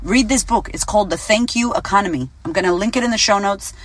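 A woman in her late thirties, a business coach giving a casual motivational talk, blunt and animated, swearing freely. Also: medium pitch, fast. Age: 30s. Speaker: business coach and podcast host.

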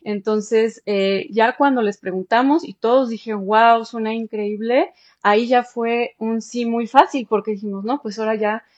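A woman's voice: a little high, steady tone, normal speed, a little mellow, no echo. A woman from Germany, an interview guest on a remote call, chatting casually and enthusiastically about her own experience in slightly dull audio. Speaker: interview guest, former bride. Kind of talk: casual conversational storytelling.

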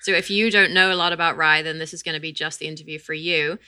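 A woman with a low-pitched yet bright voice hosts a podcast interview. She explains at an easy, conversational pace and laughs lightly as she talks. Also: steady tone, fast, smooth. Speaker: podcast host.

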